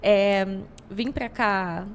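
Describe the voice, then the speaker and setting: A woman in her twenties from Rio de Janeiro with a Rio accent, a guest telling her story in an animated way. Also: mid-range voice, extremely slow, in a large hall, slight background noise. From Rio de Janeiro, Brazil. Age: 20s. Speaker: guest, child nutritionist. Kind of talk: conversational interview answers.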